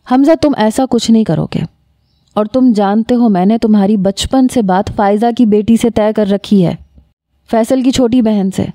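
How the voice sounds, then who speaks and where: A woman storyteller reading a scripted romance story, voicing every character in her own voice and lifting her pitch for quoted lines. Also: warm tone, dry recording.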